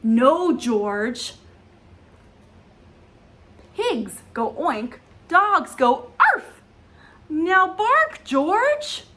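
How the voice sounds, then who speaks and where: Woman doing a worried mother dog, high-pitched, lively sing-song scolding, slow and emphatic, storybook voice. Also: heavily acted.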